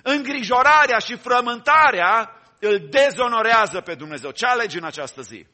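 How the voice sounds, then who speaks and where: A man's voice: very high voice, lively intonation, pushed and bright. A man preaching a sermon fervently, exhorting the congregation with repeated refrains and asking them to repeat phrases to their neighbours.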